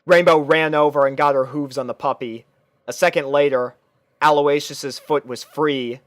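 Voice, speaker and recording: A man's voice: on the high side, fairly even intonation, moderate pace, fairly bright tone, dry recording, studio quality. A man reading fan fiction aloud as scripted, storybook-style narration.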